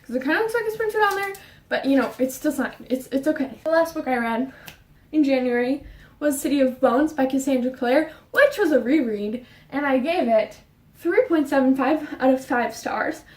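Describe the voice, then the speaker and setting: Recorded off-mic in her bedroom, a breathless young woman with a high voice talks books casually. She's fast and rambly, using fillers and restarting sentences, and the sound is roomy.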